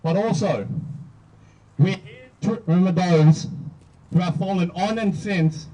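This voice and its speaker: A man's voice: high-pitched, warm tone, husky. Young man speaking at a rally, far off. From Australia. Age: 20s. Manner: measured, deliberate phrasing in short clauses. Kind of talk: public speech. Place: outdoor protest rally. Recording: distant outdoor rally recording.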